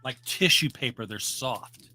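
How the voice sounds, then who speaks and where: A man's voice: mid-range voice, lively intonation, measured pace, a crowd in the background. An older man chatting casually on a panel, telling stories and quoting old comedy routines. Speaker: podcast panelist. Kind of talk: casual chat.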